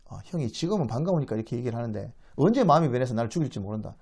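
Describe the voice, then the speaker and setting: A man's voice: mid-range voice, expressive, very fast, a little mellow, slightly rough. A man voicing Jacob, an anxious and scheming younger brother, begging in an overly polite way as he acts out a scripture story. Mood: pleading.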